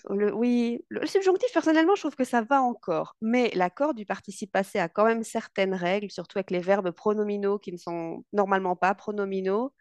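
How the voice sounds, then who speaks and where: A woman's voice: medium pitch, fairly quick, few pauses, darkish tone, no room sound. Woman, interviewer, friendly, agreeable, laughing often, dry recording. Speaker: host, interviewer. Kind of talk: casual interview.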